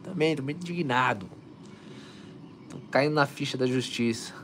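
A man's voice: mid-range voice, moderate pace, fairly bright tone, slight background noise. A man hosting a motivational live stream, urging viewers on with energy and reading out their comments. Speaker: live stream host, coach.

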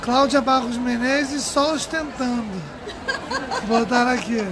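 A woman's voice: on the high side, fairly even intonation, a little slow. A Brazilian woman hosting a casual live stream in a chatty, teasing way. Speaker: livestream host relaying viewer comments at a craft fair. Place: busy indoor craft fair hall. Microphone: handheld phone, behind the camera. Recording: loud trade fair crowd and noise.

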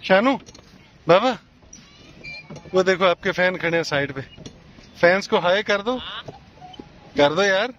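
At a lakeside amusement park, a young dad vlogs casually while coaxing his child along in a playful, encouraging manner. He's high-pitched with a fairly bright tone, speaking slowly and pausing often. The sound is muffled, with outdoor noise.

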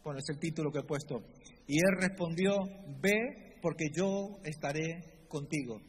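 A man's voice: a little high, normal speed, slightly rough. A man from preaching a sermon, emphatic and repeating key phrases as he quotes scripture with feeling. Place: church. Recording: reverberant church hall with faint ambience.

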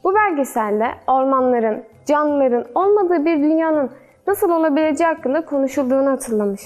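A woman storyteller reading a children's fairy tale in a gentle, measured way. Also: high-pitched, animated, faint music behind.

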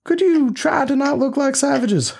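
A man's voice: very high-pitched, lively intonation, normal speed, vocal fry, a little mellow. A man playing a tabletop game, with a laid-back, drawling way of talking. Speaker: tabletop player.

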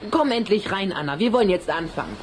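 A woman's voice: lowish voice, expressive, fast talker, slight background noise, lightly acted. A woman playing a bossy, grumpy young vampire boy, brusque and complaining, in a children's audio drama.

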